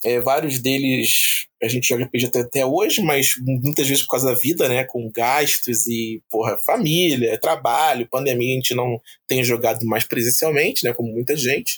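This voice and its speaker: In a dry, close sound with no echo, a man speaks with hardly any pauses, a somewhat breathy voice, very even loudness and fairly even intonation. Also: medium pitch for a man, moderate pace. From Brazil, Rio de Janeiro (born in Manaus). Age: 30s. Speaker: game designer and history teacher. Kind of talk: casual interview.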